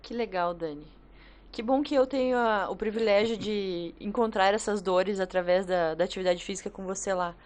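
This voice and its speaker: A woman with a mid-pitched voice joins a relaxed podcast chat. She mostly backs the other speaker up with short remarks of agreement. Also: normal speed. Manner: brief agreeing interjections.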